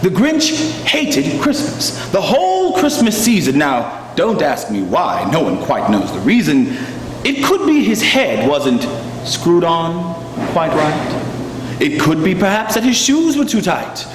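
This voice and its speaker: A man reads a storybook aloud in a theatrical style, his fairly high voice swooping widely. Words get stretched for emphasis. The sound is very echoey, with music playing behind him. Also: huge pitch swings, takes it slowly, background noise. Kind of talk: dramatic storybook reading.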